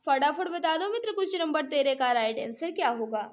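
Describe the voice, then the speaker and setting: This high-pitched woman teaches an online exam-prep class, running an interactive mock-test lesson that quizzes viewers. Her intonation is lively and her pace brisk, and she prompts repeatedly while addressing learners directly as friends.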